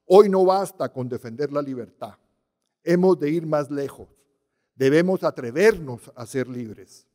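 Man, fifties, formal ceremonial speech, measured and solemn, mellow dark voice, long hall reverb, podium mic in a big auditorium. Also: on the high side. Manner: measured, solemn, emphatic pauses. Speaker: university rector. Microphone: podium microphone.

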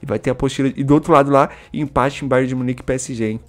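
A young man with a Brazilian Portuguese accent, giving slangy live commentary on a game stream, chatting with viewers and erupting into shouts. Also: medium pitch, fairly even intonation, racing, soft background music.

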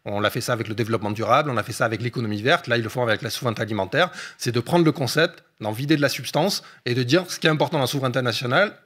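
Fast-talking man explaining in depth. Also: medium pitch, a bit bright. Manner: fast, fluent explaining with frequent hesitation fillers. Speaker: economist guest. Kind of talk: explanatory panel discussion.

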